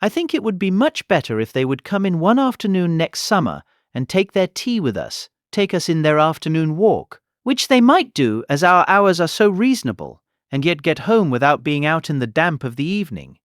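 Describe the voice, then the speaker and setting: An actor playing a fretful, gentle elderly gentleman, fussy and plaintive, in a period comedy audiobook. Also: on the high side, very animated, moderate pace, hardly any pauses, no room sound, studio quality. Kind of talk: audiobook character acting, period comedy of manners.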